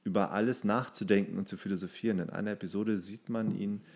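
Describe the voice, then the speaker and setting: Guy with a lowish voice chatting on a podcast, sometimes reading stuff out. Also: steady tone, fast talker, gravelly, darkish tone, husky. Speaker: podcast co-host. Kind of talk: casual chat, partly reading aloud.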